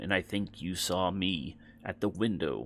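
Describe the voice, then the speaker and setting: A man uses a put-on character voice, guttural and very deep, at a moderate pace on a very clean recording with a silent background. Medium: read story. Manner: melting, familiar, self-regarding.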